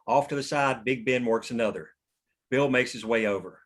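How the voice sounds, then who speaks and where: A man's voice: medium pitch, moderate pace. A man reading scene headings and action lines at a script table read, in scripted narration. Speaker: stage directions reader at a script table read.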